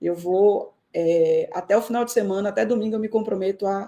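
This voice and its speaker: A woman with a northeastern Brazilian accent, medium pitch, dark, mellow tone, fairly even intonation and moderate pace. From Brazil, Salvador (Bahia). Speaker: spiritist researcher. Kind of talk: live interview.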